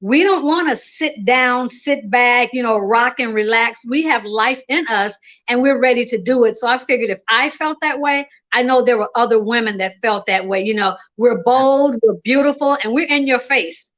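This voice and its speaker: A woman's voice: on the high side, moderate pace, few pauses, fairly bright tone. Upbeat woman in her sixties, dull audio. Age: 60s. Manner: bold, upbeat, emphatic. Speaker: women's confidence coach, guest. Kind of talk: casual interview chat.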